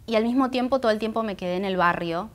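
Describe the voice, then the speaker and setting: A woman in her thirties with a Buenos Aires Argentine accent and Guaraní as her first language, reflecting thoughtfully in an interview, pausing between phrases, on a lapel mic. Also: on the high side. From Argentina, Buenos Aires area. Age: 30s. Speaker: interview guest, singer and poet. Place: indoor auditorium stage. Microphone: clip-on lapel microphone.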